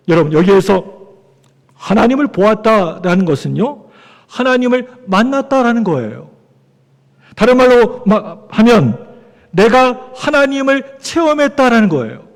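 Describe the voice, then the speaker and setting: High-voiced preaching pastor. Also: male voice. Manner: animated preaching with questions to the congregation. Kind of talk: sermon. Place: church sanctuary. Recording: long church hall reverb.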